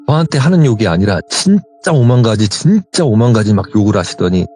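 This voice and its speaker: Animated man retelling a story by phone. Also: on the low side, fairly quick, soft background music. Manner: animated retelling, quoting others in dialogue. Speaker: caller telling a true ghost story.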